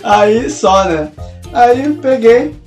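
Animated man spinning a crude story. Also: very high-pitched, drawn-out words, distant mic. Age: 30s. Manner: animated, swearing storyteller who acts out scenes. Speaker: podcast co-host telling a story. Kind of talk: casual chat, comic anecdote. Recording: roomy echo, off-mic, music behind.

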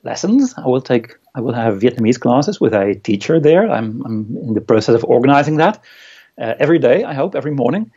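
A thoughtful man speaking as an in a conversational interview. His voice is mid-pitched and he pauses to search for words. The recording is slightly dull and lo-fi. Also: very animated, warm tone, slightly rough. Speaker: interviewee, language learner.

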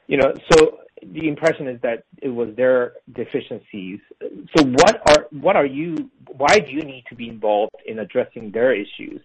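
A man's voice: mid-range voice, expressive, moderate pace, hardly any pauses. Male analyst on a noisy call. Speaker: financial analyst asking questions. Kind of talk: earnings call question. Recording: noisy phone-in call with clicks.

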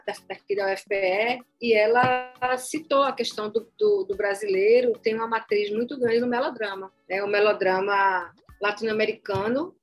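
A woman from Pernambuco, a journalist and academic, answering interview questions in a measured, analytical way. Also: mid-range voice. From Pernambuco, Northeast Brazil.

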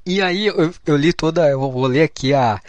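A man's voice: on the high side, moderate pace, no room sound, highs cut off. A young adult man with a Brazilian Portuguese accent, talking casually and bluntly in a monologue, swearing often and reading passages aloud before commenting on them. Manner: blunt, swears often, says "cara" a lot; reads aloud from a book then comments. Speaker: vlogger.

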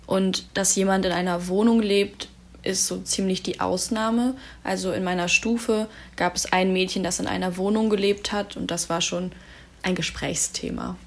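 A young woman from Germany in her early twenties chats calmly on a youth podcast. She talks in a thoughtful, unhurried way, and her voice sits in a middle pitch. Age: 20s. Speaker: podcast volunteer. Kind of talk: casual discussion.

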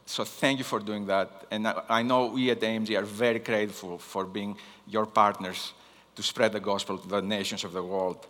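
A man's voice: fairly low pitch, little pitch movement, moderate pace, a bit bright. Greek-accented male preacher in a reverberant hall. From Greece. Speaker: guest missions preacher. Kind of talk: sermon. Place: large hall, speaking to a congregation.

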